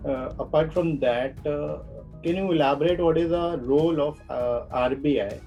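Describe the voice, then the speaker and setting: A man's voice: on the high side, normal speed, mellow, soft background music. A man with an Indian accent asking questions as the interviewer in a formal mock interview.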